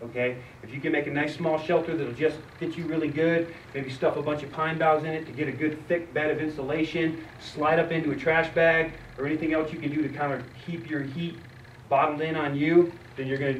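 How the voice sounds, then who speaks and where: Amid light background noise and audible room echo, a man talks at a fairly quick pace with fairly even intonation. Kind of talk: lecture. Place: meeting room. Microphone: camera far.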